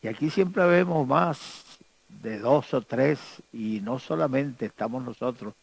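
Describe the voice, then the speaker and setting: A man with a Spanish accent from Spain opening a church service with a slow, declamatory greeting. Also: mid-range voice, creaky, slightly rough, dry recording.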